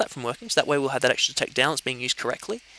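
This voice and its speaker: A man's bright, sharp voice at a very fast pace, dry and close with no echo. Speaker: programming tutorial maker. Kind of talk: screen-recorded coding tutorial. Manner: casual, thinking aloud.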